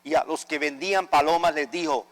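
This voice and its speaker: Male priest, fairly high voice, solemn measured reading, cathedral echo with a long tail. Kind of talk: reading the Gospel at Mass. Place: large church.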